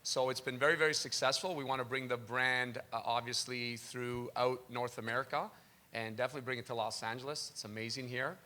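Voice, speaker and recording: An upbeat man from Canada gives a plain-spoken introduction on a panel. His voice sits mid-range and sounds very bright. He holds a handheld mic on a tent stage, heard through a camera in the crowd. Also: medium pitch, steady tone, fairly quick. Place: large tent stage before an audience. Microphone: handheld mic, far camera.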